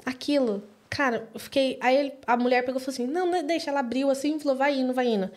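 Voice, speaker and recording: A woman's voice: high-pitched, very fast. A Brazilian woman with a Brazilian Portuguese accent, a podcast guest telling a story in casual talk and acting out the voices she quotes. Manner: animated, acts out quoted voices.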